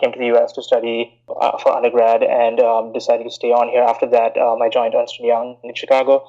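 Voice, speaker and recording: Explaining himself carefully and sprinkling in lots of "you know," a thirtysomething Indian-born investment banker who grew up in Bahrain responds to an interviewer as a guest. His mid-range voice is monotone and mellow, captured on dull-sounding audio.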